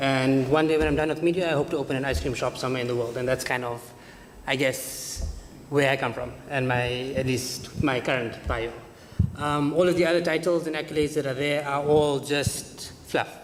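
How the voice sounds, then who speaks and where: Against noticeable background noise and audible room echo, a man speaks at a fairly quick pace with a South African accent. His pitch is fairly high and his intonation fairly even. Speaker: digital media executive. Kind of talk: conference talk. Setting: stage with audience. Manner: fast.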